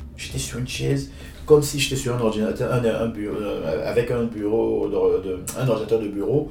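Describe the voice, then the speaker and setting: Audible room echo colors a man's voice as noticeable background noise continues around him. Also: medium pitch for a man, lively intonation, moderate pace. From Cameroon. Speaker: DJ and event organizer. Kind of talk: interview conversation.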